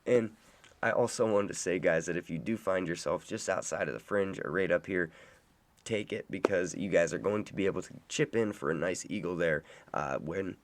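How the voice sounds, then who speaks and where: A man with a raspy, sick-sounding voice, walking viewers through a mobile golf game step by step in casual commentary. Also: sits low, normal speed, a little hiss or hum. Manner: instructive, steady, talks to viewers as "guys". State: hoarse from illness. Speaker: game guide host. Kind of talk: casual gameplay walkthrough commentary.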